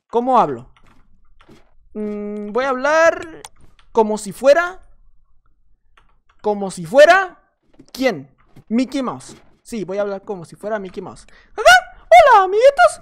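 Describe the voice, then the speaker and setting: High-voiced guy commentating games, playful, rambling. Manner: rambling, joking, playful self-talk with exclamations. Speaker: gaming YouTuber. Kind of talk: gameplay commentary.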